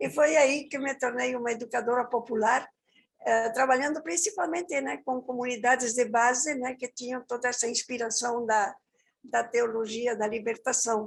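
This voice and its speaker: The pace is moderate. Pitch variation is ordinary. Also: woman, high pitch for a woman. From southern Brazil, Rio Grande do Sul. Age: 80s+. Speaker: popular educator and author. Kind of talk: interview.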